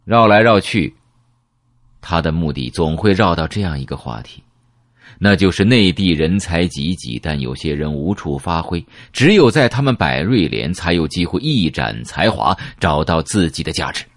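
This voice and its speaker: A deep male voice tells a first-person audiobook story in a reflective, measured way. His pitch moves expressively, and the recording is dry and close with no room sound. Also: sing-song, no room sound. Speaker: audiobook narrator.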